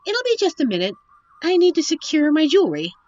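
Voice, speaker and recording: Woman acting very high, animated young princess. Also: a little fast, no echo, lo-fi sound. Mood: anxious, eager. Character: young sheltered princess, dramatic, petulant, sweetly eager. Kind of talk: fantasy audio roleplay acting.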